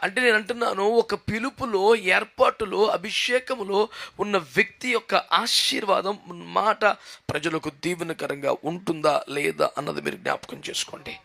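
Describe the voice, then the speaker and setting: A man's voice: high voice, lively intonation, normal speed, vocal fry, sharp tone. A man preaching a sermon, building up with rhythmic repeated questions and a Telugu accent. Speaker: pastor.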